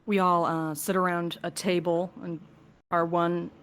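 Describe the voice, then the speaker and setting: A woman with a slightly low voice hosts a relaxed panel Q&A. She talks in a casual, conversational way as the host of the group. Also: unhurried. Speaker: podcast host, producer and voice actor.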